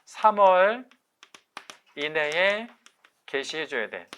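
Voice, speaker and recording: A man's voice: fairly high pitch, sing-song, slow, pushed and bright, a little hiss or hum. A male lecturer teaching an online exam-prep class, quizzing his students with questions and drilling key terms by repeating them. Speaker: real estate agent exam lecturer.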